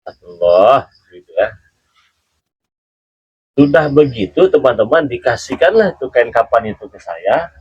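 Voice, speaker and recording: Husky guy rambling thru a live stream story, chuckles a lot, muffled lo-fi sound. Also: mid-range voice, very animated, unhurried, long pauses, no echo. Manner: rambling, chuckling, questioning a child. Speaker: channel host.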